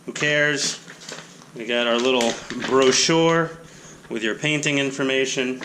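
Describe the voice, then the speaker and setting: A man's voice: medium pitch, fairly even intonation, unhurried, noisy background. A man with a nasal voice rambling casually and self-deprecatingly while unboxing a hobby kit on an action camera. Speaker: hobby channel host.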